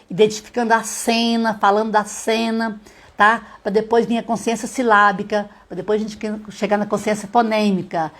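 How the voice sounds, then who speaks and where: Woman teacher explaining literacy. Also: medium pitch. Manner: explains step by step, checks in with "tá?"; sounds out letters slowly. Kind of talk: live-streamed teaching talk.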